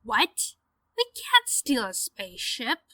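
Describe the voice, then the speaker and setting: Woman playing a lively, sceptical young woman. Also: fairly high pitch, slow pace, no echo, full character voice. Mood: exasperated. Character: practical, sceptical young woman, exasperated voice of reason. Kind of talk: audio drama dialogue.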